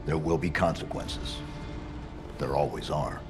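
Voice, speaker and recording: A battle-hardened supersoldier in a video game. His voice is extremely low and gravelly, and he speaks in short, grave phrases with stoic restraint. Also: unhurried, music in the background, full character voice. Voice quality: deep, gravelly. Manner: terse, stoic, understated. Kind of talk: video game cutscene acting.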